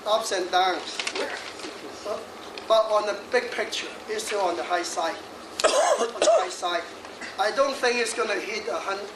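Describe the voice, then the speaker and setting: In a hall before an audience, a high-pitched feng shui master in his sixties gives a humorous, lively talk full of laughter and chatter between points. The recording is made from afar, echoey and noisy.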